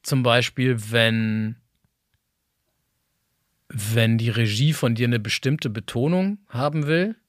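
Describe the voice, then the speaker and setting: A man's voice: medium pitch, takes it slowly, long pauses, dry recording, studio quality. A voice actor talking through his work in a casual conversation, thinking aloud and often restarting his sentences. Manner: reflective, rambling with many restarts.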